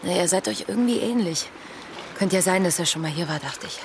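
Radio drama: frank, dry woman in her thirties, offhand and slangy, over clearly audible splashing water. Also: fairly low pitch, expressive, a little fast, noisy background. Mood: wry, chatty. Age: 30s. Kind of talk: naturalistic conversational radio drama. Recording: loud splashing water behind the voice. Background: sea water splashing and trickling.

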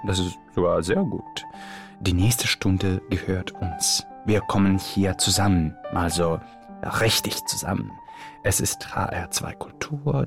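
An actor playing an excitable, euphoric Yugoslav male radio host with a theatrical, rambling way of moderating a live show. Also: deep voice, gravelly, heavily acted. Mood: intimate. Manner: theatrical, rambling, exuberant, switching from hushed to shouting. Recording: music behind the voice. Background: music.

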